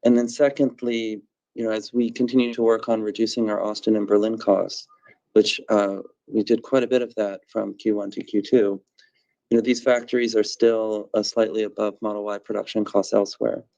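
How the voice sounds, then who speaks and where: A man speaking as a company executive, giving measured, explanatory answers on an earnings call over muffled conference audio. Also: lowish voice, level tone, vocal fry, dark tone.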